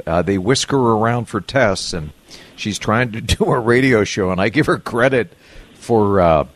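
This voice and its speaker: A man hosting a radio show, talking casually in halting, drawn-out phrases. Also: lowish voice. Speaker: radio host.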